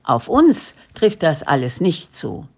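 Stubborn village man, read by a woman, a little higher than her narration. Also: sing-song, takes it slowly, a little mellow, full character voice. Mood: defiant. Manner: stubborn, self-assured. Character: defiant male villager, content with his life.

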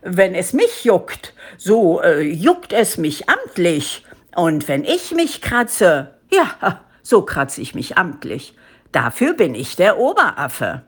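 Woman acting a pompous, blustering male monkey chief, lively pitch. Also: slow pace, slightly rough, exaggerated voice. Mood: boastful, self-important. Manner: pompous, officious, declaiming with hesitant fillers.

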